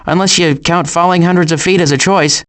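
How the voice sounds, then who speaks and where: A man voicing a wry, wisecracking woodland animal in an animated video game. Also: fairly high pitch, fairly quick, natural voice.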